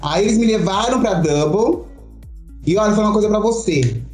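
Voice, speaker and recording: A middle-aged woman with a Brazilian Portuguese accent, a show performer telling her story as an interview guest. She talks in a theatrical, animated way and keeps checking that the listener understands. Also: mid-range voice, fairly quick, reverberant, faint music behind. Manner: animated, theatrical, acts out quotes, keeps asking "you understand?".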